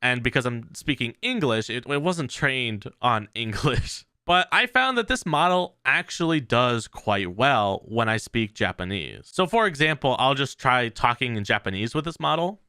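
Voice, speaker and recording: A man's voice: mid-range voice, big pitch swings, moderate pace, few pauses, sharp tone, smooth, no echo. A man hosting a tech channel, giving a casual tutorial in a loose way full of fillers. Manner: loose, filler-heavy explaining.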